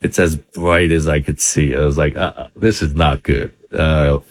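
A man from Vietnam with a very low voice tells his story as an interview guest. He talks in a loose, chatty way and leans on lots of fillers. The recording is dry, with almost no room sound. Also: fairly even intonation, measured pace, no room sound. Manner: conversational, many fillers, chuckles now and then. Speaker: interview guest, business owner.

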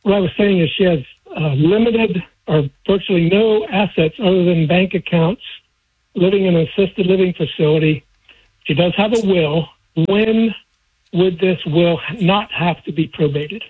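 A man with a raspy voice calling in to a radio show with a question, talking haltingly and restarting his sentences. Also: high-pitched. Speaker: caller. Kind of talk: phone-in question on a call-in show. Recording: phone line.

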